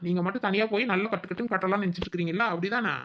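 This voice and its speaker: A cheeky young daughter-in-law in a cartoon, played by a woman, whining and needling in a quick, mid-pitched voice. The sound is a bit dull and lo-fi. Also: a little hiss or hum, lightly acted. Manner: whiny and cheeky. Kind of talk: cartoon voice acting.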